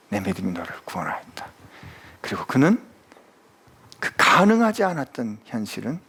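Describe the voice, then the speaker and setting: A man's voice: a little high, a bit bright, husky. A male pastor preaching a sermon in a conversational way, with frequent asides to the congregation.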